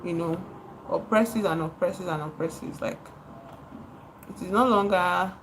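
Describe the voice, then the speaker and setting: A woman's voice: lowish voice, measured pace, slight background noise, rough recording. A Nigerian woman livestreaming, speaking with passion, repeating words for emphasis and greeting her chat viewers. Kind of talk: live stream commentary.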